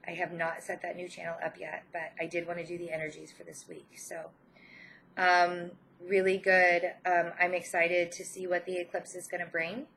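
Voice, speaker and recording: Low-voiced woman giving an informal spiritual reading, head cold. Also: level tone, normal speed, a bit bright, slight background noise, low-quality recording. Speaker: spiritual tarot reader and channel host.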